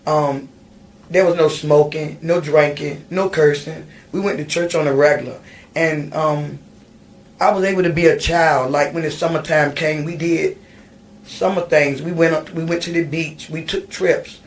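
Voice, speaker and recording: Her voice is deep and even as she talks at an ordinary pace. The speaker is a middle-aged woman from Virginia, USA, sharing personal stories as a podcast guest in a studio, her account full of ums and false starts.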